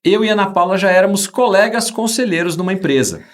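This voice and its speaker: A man hosting an interview with emphatic enthusiasm. His voice is a little high and moves around a lot as he makes his points. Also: animated, fast talker. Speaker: host. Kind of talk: podcast interview chat.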